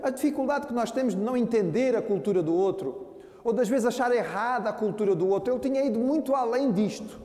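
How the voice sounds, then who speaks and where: A man's voice: very high-pitched, fast talker, warm tone. A man with a Brazilian Portuguese accent, a pastor preaching a sermon who earnestly calls his listeners brothers. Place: church hall. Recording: echoey church hall with long reverb.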